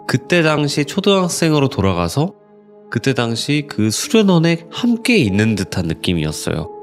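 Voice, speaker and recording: A man hosting a horror story channel, reacting with enthusiasm to his guest's story. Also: mid-range voice. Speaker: host of a horror radio channel. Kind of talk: casual podcast chat.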